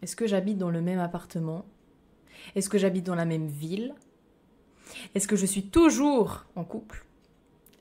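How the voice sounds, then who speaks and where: A woman is talking. Her pitch is medium. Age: 20s. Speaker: podcast host. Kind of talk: casual solo podcast monologue. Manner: animated.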